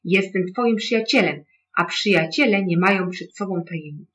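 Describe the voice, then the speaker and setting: A storyteller voicing a fussy, quick-tempered wind in a storybook read-aloud. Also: medium pitch, fairly bright tone, lightly acted. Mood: earnest. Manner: blustery, scolding.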